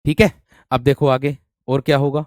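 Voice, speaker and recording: A man teaching grammar in an exam-prep class, repeating each phrase slowly for dictation and calling his students "my friend". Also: mid-range voice, little pitch movement, a little mellow, no room sound, studio quality. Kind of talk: online exam-prep lesson.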